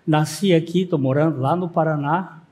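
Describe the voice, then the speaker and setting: A man's voice: on the high side, moderate pace, a little mellow. A man preaching a sermon in a church, mixing rhetorical questions with anecdotes told with dry humor. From Northeast Brazil. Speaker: pastor. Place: church sanctuary.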